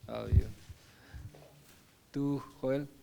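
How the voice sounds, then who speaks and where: A man's voice: mid-range voice, fairly even intonation, slow, vocal fry, dark tone. Man preaching a conversational Bible lesson. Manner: questioning the congregation often, with frequent tag questions. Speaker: pastor. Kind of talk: conversational Bible study sermon.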